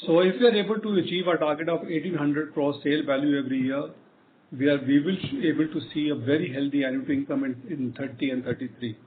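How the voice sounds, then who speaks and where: A man's voice: on the high side, steady tone, quick pace. Indian man on a narrow phone line. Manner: frequent "right" and "you know" tags. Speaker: company executive answering investor questions. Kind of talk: off-the-cuff business explanation on a conference call. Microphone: phone conference line. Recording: narrow phone-line sound with faint noise.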